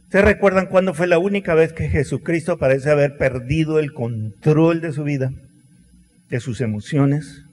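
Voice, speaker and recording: A middle-aged man preaching a sermon, telling stories with acted quotes and dramatic pauses. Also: a little high, darkish tone. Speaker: pastor. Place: large church hall. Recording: long church hall reverb.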